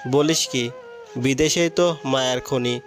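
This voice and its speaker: Guy doing flirty joking bro, slow, music behind. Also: mid-range voice, close to an everyday voice. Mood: teasing.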